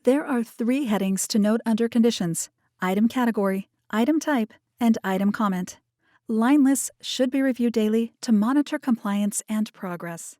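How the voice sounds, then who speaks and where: A woman reading scripted instructional narration in a measured, clearly enunciated way. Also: fairly high pitch, a little mellow, dry recording, clean studio sound. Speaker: voice-over narrator for e-learning and training. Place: home studio.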